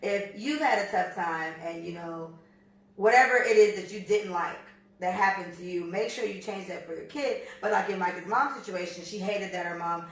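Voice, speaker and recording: An American woman in her thirties co-hosting a podcast, talking bluntly and profanely in an animated, storytelling way. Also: mid-range voice, normal speed, distant mic. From United States. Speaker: podcast co-host. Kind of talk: casual chat. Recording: echoey room, voice off-mic.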